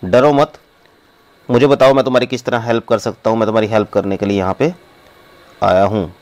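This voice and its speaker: A man's voice: lowish voice, steady tone, a little mellow, natural voice. A man reading a kind young white elephant. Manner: slow, careful read-aloud delivery.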